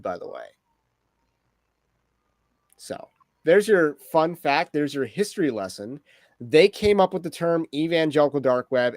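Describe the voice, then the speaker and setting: A man hosting a casual livestream, talking through topics with wry, rambling asides. His voice sits at an ordinary middle pitch. The sound is dry and close, with no room around it. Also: no room sound. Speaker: livestream host.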